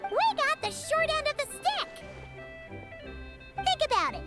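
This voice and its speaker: A woman voicing a small, excitable, childlike fairy companion in a video game, squeaky and exclamatory. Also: a little slow, loud music behind the voice, full character voice. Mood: scheming, eager. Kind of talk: video game character acting.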